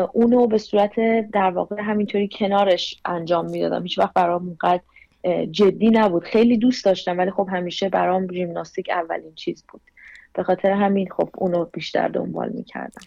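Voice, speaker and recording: The voice has a dark, mellow tone and fairly even intonation, racing along at a very fast pace with big swings in loudness. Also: woman, medium pitch for a woman. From Iran, Shiraz. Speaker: singer. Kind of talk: interview.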